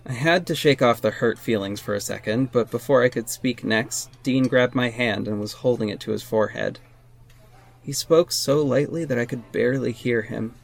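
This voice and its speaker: A man's voice: medium pitch, moderate pace, creaky. An actor playing a hurt young gay man who narrates and speaks in an audio drama, earnest and emotional. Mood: somber narrating. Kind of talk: audio drama acting and first-person narration.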